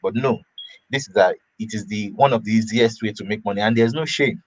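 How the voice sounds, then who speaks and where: A man from Nigeria talks casually. His voice sits at an ordinary pitch, and the sound is dry and close. He trips over his words, repeats himself and laughs lightly as he goes. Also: fairly quick, dry recording, poor audio. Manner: repeats and restarts words, laughs mid-sentence. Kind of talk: casual opinion talk.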